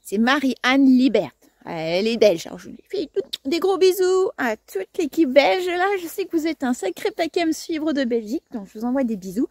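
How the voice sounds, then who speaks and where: A woman's voice: sits high, expressive, moderate pace, darkish tone, no room sound. A woman hosting a casual gardening video outdoors, chatty and playful, tripping over words and laughing at herself. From France.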